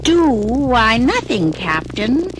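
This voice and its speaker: A woman's voice: on the high side, very animated, slow pace, noisy background. An actress playing a soothing, unafraid feline alien woman officer in a 1970s audio drama. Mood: soothing, matter-of-fact. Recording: 1979 children's vinyl record, music behind.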